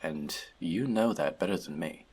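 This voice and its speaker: A man's voice: sits low, normal speed, a little mellow, slightly rough. A man playing an earnest, bookish elf outcast in an audio roleplay, confiding in a friend in a hesitant, self-doubting way. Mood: teasing, concerned. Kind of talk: scripted audio roleplay addressed to the listener.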